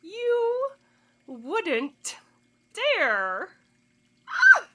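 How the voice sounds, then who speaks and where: A woman's voice: very high-pitched, huge pitch swings, drawn-out words, sharp tone, exaggerated voice. An actress playing a haughty, sardonic woman cultist in an audio drama, speaking in theatrical, disdainful phrases. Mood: panicked. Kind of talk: scripted audio drama acting.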